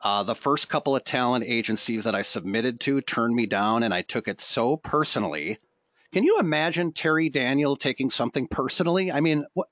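A man's voice: mid-range voice, lively intonation, fairly quick, a bit bright, dry recording. A middle-aged man runs a live webinar in a loose, joking way and laughs easily between answers. His mid-range voice sits dry and close, with no room around it. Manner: jokey, chatty, laughs often. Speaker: host and voiceover coach. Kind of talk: casual webinar chat.

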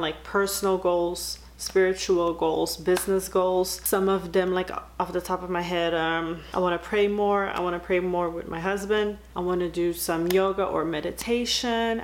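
A young woman from the Netherlands chatting casually in a beauty vlog, full of likes and ums. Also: lowish voice. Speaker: beauty vlogger. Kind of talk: casual tag video chat.

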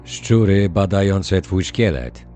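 A man's voice: deep voice, lively intonation, slow, dark tone, soft background music. A man playing a grim, stern English Puritan adventurer with restrained fury, in an audiobook drama. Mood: grim, contained.

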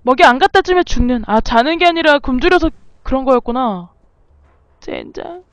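A woman's voice: high voice, animated, moderate pace, no echo. A woman casually commenting on a video game as she plays, chatting to the animals on screen. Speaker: game streamer. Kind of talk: casual let's-play commentary.

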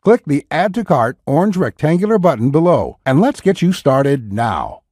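A man reading a scripted, pushy sales pitch as a voice-over. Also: very animated, normal speed, darkish tone, slightly rough, dry recording, clean studio sound. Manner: pushy, urgent salesman delivery.

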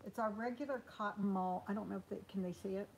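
A woman's voice: mid-range voice, steady tone, quick pace, creaky, a crowd in the background. Chatty woman in her sixties sewing. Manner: chatty, frequent ums and restarts. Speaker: host sewing live. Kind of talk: casual live Q&A while hand sewing. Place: small sewing room indoors.

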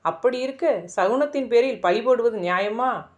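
A woman voicing a stern, sharp-tongued black cat in a storybook tale, speaking reproachfully and arguing point by point. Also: a little high, measured pace, close to an everyday voice. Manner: indignant, reproachful, argues point by point. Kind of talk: storybook narration.

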